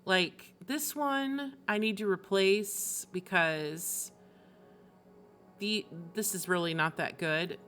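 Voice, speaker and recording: A woman's voice: medium pitch, slow, a bit bright. A woman game streamer chatting casually and expressively on a livestream, in an informal way. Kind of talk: casual livestream chat about games.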